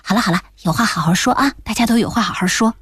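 Lady doing a guy rushing to calm everyone down, lower voice than hers, dry sound. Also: slightly rough, no echo. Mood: placating. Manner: hurried, placating. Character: flustered male peacemaker trying to smooth things over.

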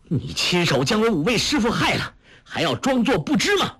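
A man's voice: sits high, very animated, normal speed, a bit bright, breathy edge, voice pushed up, full character voice. A man voicing an earnest young male hero in a storybook who cries out in strained, grief-stricken indignation. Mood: anguished. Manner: strained, crying out.

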